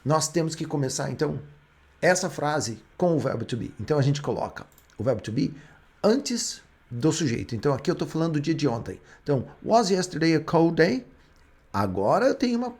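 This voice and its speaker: This husky, darkish male voice sits on the high side and is very animated and fairly quick. It belongs to a native Portuguese-speaking Brazilian teacher breaking down English grammar in steps and repeatedly starting over mid-thought.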